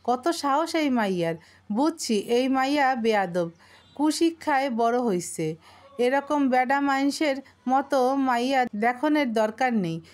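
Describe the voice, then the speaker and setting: A middle-aged mother, affronted and huffy, voiced by a female narrator. She speaks in a rustic dialect in a slightly high voice. It is part of a one-narrator audio story. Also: lively intonation, measured pace. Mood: offended.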